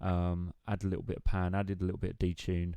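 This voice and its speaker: Very deep and low, a man's voice carries a dark, mellow tone at a fairly quick pace. The recording is very clean, with a silent background. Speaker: music producer tutorial maker. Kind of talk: tutorial. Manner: monotone; casual, hesitant with many fillers.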